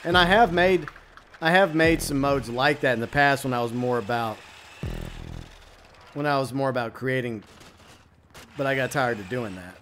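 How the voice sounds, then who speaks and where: A man's voice: medium pitch, moderate pace, long pauses, fairly bright tone, slight background noise. A man hosting a live game stream, chatting casually and rambling with fillers and asides. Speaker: streamer host.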